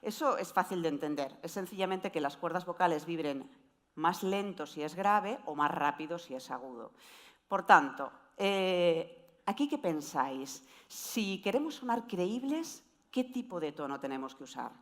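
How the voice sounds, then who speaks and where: Lively woman giving a voice talk. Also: moderate pace. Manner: explanatory, lively pitch swings. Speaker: voice coach speaker. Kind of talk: presentation talk.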